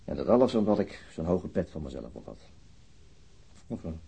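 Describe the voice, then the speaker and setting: A man's voice: low voice, sing-song, normal speed, creaky, warm tone, husky, full character voice. An actor playing a middle-aged, wry, weary policeman and father recovering from a wound in a radio play. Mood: bitter, brooding. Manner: subdued, weary, sardonic, hesitant. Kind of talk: naturalistic radio play acting.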